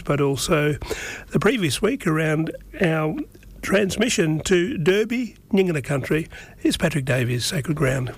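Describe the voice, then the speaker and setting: Male radio presenter, Aboriginal Australian accent, fairly high voice, informal and meandering interview delivery. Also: dry recording. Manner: conversational, rambling, tags questions with eh. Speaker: radio show host.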